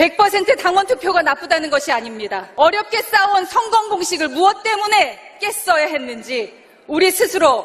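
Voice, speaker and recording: A woman speaks at a moderate pace in an extremely high voice, her pitch swinging very widely over noticeable background noise. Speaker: politician, party supreme council candidate. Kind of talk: political campaign speech at a party rally. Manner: earnest, rhetorical, emphatic.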